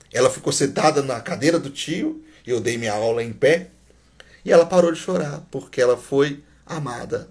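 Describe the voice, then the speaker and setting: Guy preaching a sermon, kinda breathy husky voice, repeats stuff for emphasis. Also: mid-range voice. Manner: emphatic, repeats key phrases, drops to a near whisper.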